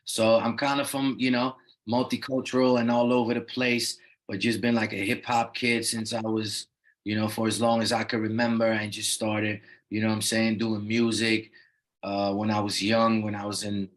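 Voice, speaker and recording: Brief: young male rapper guest, raised in the Netherlands, low-pitched and monotone, easygoing and filler-heavy. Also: moderate pace. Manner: laid-back, loose with many "you know what I mean" fillers. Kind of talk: casual interview talk.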